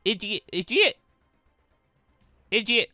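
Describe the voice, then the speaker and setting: A woman's voice: medium pitch, big pitch swings, slow pace, sharp tone, dry recording, clean studio sound, soft background music, pitched above the performer's own voice, heavily acted. A woman voicing a fiery, scolding female character in a visual novel, urgent and exclamatory. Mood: angry.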